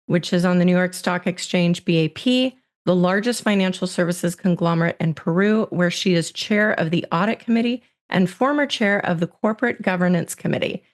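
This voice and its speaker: A woman's voice: on the low side, a little fast, few pauses. A woman hosting a business podcast, delivering an upbeat scripted intro and guest bio, then interviewing. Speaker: podcast host.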